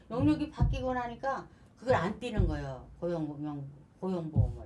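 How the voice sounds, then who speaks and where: A woman's fairly low voice at a moderate pace, very wide pitch swings, noticeable background noise. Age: 70s. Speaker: cleaning worker and union leader. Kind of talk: interview answer.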